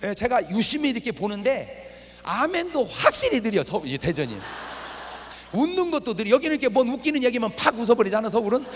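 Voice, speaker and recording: A man's voice: extremely high pitch, sing-song, a little fast, slight background noise. A male pastor preaching at a revival meeting, joking and quizzing the congregation with questions. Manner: humorous, teasing the congregation with questions. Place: church hall at a revival meeting. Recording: reverberant hall from a TV broadcast.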